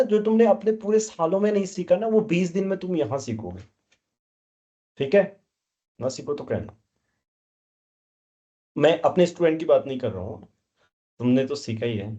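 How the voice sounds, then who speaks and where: Heard through lo-fi sound, a man's high, warm voice leads a math lesson. He scolds the class and keeps drilling the students with questions throughout his lecture.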